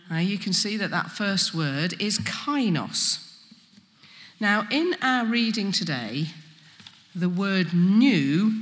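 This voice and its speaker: A woman preaches in an East Midlands accent with distinctly flat vowels. Her delivery is unhurried and lively in pitch, explaining each point and leaning on key words. The sound carries a long hall reverb. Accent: East Midlands English, Leicestershire. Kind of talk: sermon.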